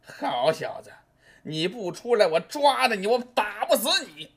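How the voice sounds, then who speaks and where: A man's voice: high voice, very animated, measured pace, exaggerated voice. A man doing a raging brutish father. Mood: enraged. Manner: shouting, threatening, contemptuous. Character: furious brutish father, middle-aged man.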